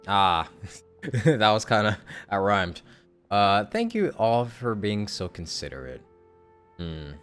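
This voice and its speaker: A young man streaming a game and talking over it in a relaxed, rambling way. His voice sits on the lower side, full of "like" and "you know", with occasional swearing. Faint game music plays underneath. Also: takes it slowly, clean tone. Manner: rambling, with hedges, fillers and casual swearing. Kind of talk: casual live-stream commentary.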